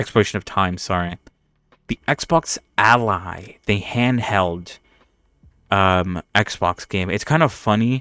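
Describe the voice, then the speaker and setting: Very slowly, a man talks in a fairly low voice with a bright, sharp tone. The sound is dry and close, with no echo. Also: ordinary pitch variation. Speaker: streamer. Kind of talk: casual live stream chat. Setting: live stream.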